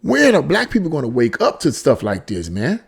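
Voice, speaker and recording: High-pitched man, exasperated opinionated commentator. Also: huge pitch swings, moderate pace, gravelly, slightly rough. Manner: exasperated, opinionated, repeating words and phrases for emphasis. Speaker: online political commentator. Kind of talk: unscripted commentary on a news article.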